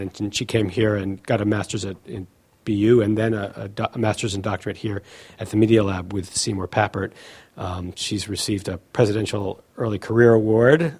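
Husky man giving a halting introduction. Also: on the low side. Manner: hesitant, with many fillers and restarts. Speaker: host introducing a speaker. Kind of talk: live introduction of a guest speaker.

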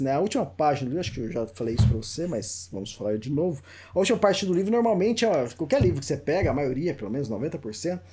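A man's voice: fairly high pitch, warm tone, slightly rough. A Brazilian man with a Brazilian Portuguese accent, a book author chatting as a podcast guest, telling anecdotes with laughs. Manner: laughing storyteller, acts out quoted voices. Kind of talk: casual chat.

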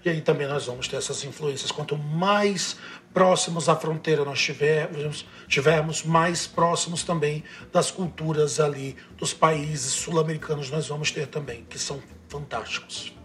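A man's voice: on the high side, steady tone, moderate pace, a bit bright. A man from Northeast Brazil with a Northeastern Brazilian accent, chatting casually and enthusiastically, sometimes trailing off as he searches for words. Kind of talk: casual chat.

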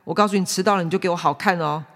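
A man putting on an impatient father who nags his son, scolding and insistent. The voice rises higher and louder than plain talk. A long hall reverb follows every word. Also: racing. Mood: nagging.

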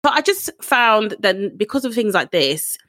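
Animated woman. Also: mid-range voice, dry recording, clean studio sound. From Ghana heritage, raised in England. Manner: animated, chatty, quick asides. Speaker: podcast co-host. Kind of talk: casual chat.

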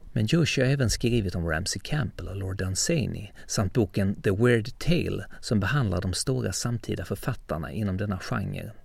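A man with a Swedish accent, hosting a podcast and reading a calm, measured introduction. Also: fairly low pitch, creaky, breathy edge, dry recording. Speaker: podcast host.

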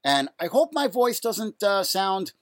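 A man, hosting a solo podcast from his apartment, ranting angrily in a raspy, nasal voice while ill and congested. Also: high voice, very animated, a little slow, dry recording, clean studio sound. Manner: angry, indignant ranting. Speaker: podcast host. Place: home apartment.

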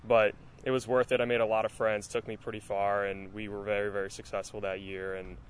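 In an interview, a young adult college rower from Massachusetts, USA, recounts his story in a lowish voice that runs a little fast. He narrates steadily, using fillers, and the recording has a little hiss or hum.

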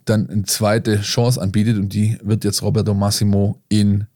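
A man's voice: lowish voice, level tone, moderate pace, warm tone. A man co-hosting a football podcast, explaining things in a casual, colloquial way. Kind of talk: casual football talk and analysis.

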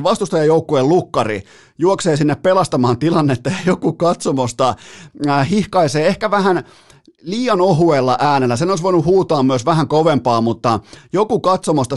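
A man hosting a sports podcast, rambling and animated as he tells a match story, with lots of fillers and laughs. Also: a little high. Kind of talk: casual sports chat.

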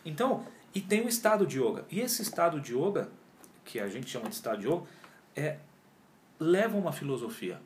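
A man tells his story as a guest in a casual interview, and his speech is animated and full of slang. He talks quickly in a slightly raised voice. The recording has a roomy echo around him. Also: on the high side, a little hiss or hum. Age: 40s. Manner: animated and slangy, often says cara and pô. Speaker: yoga teacher and guest.

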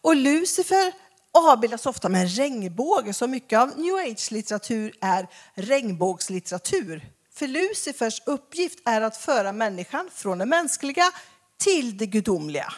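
In her talk, a lively and expressive Christian woman with a somewhat high voice plays out dialogues, switching voices for each part.

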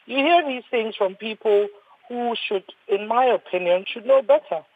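Speaking at normal speed in a voice on the high side, a woman in her sixties from Ghana, a doctor, makes earnest points on a panel, often restarting by repeating words. There's no room sound, and the line is thin, phone-like, husky, and dry.

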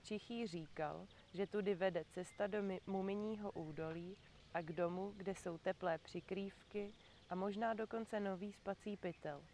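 Calm woman reading a storybook outdoors. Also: medium pitch, slight background noise. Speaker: reader for children. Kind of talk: reading aloud to children. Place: outdoor community garden.

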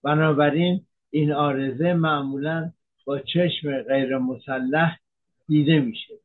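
A man, a physician from Iran, giving a measured health talk that explains medical terms, with frequent hesitations. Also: a little high, fairly even intonation, phone-quality sound.

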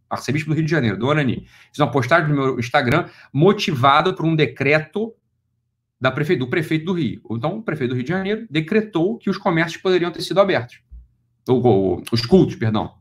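Fast-talking Brazilian man, insistent. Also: on the high side, expressive. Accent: Brazilian Portuguese. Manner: rapid, repeats himself for emphasis. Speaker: philosophy lecturer. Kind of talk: heated monologue to camera.

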